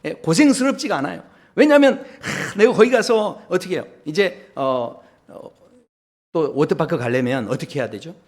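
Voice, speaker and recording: A man's voice: a little high, animated, normal speed. A man preaching a sermon as pastor, telling a story lightly with laughs and acted quotes. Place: church sanctuary.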